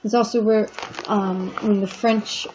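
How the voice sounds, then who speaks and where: A woman's voice: medium pitch, fairly even intonation, unhurried, a little mellow, lo-fi sound, slight background noise. A woman teaching an online French lesson, patiently explaining textbook exercises and repeating examples. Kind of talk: recorded lecture walking through textbook exercises.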